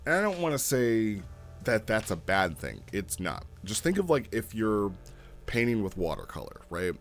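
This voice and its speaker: A man's voice: lowish voice, very animated, moderate pace, soft background music. A man giving a casual, rambling spoken review as a host, conversational and repeating phrases as he explains things. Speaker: host reviewing role-play logs.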